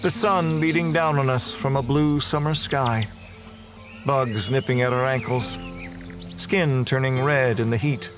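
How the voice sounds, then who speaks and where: An actor playing a tormented, damned murderer, delivering a brooding first-person horror audio drama monologue. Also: male voice, mid-range voice, unhurried, natural voice. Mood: wistful. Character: damned male murderer prisoner, tormented, confessing in hell. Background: music.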